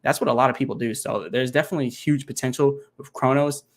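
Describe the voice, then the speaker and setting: A man's voice: mid-range voice, quick pace. A man hosting a casual livestream Q&A from his home computer, thinking aloud and working out numbers with many fillers. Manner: rambling, thinks aloud while doing math, many fillers. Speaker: crypto channel host. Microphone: home computer setup, single monitor.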